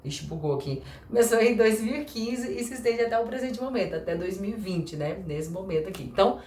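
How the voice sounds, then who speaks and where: A woman teaching English grammar in a chatty, lively way, slowing down to read example sentences. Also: medium pitch, roomy sound, slight background noise. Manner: chatty, lively, acts out little dialogues, slows for example sentences. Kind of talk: casual explanatory lesson.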